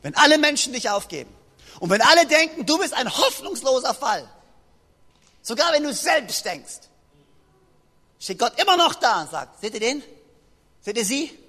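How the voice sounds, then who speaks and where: A man preaching a sermon to a congregation, lively and joking as he speaks straight to his listeners. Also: extremely high pitch, normal speed, long pauses. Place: church hall. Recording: long reverb of a large hall.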